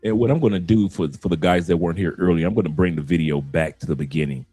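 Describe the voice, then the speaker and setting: A man's voice: deep voice, quick pace, dark tone, breathy edge, faint music behind. A man hosting a livestream, chatting casually and addressing his viewers and co-host. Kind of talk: casual livestream chat with shout-outs.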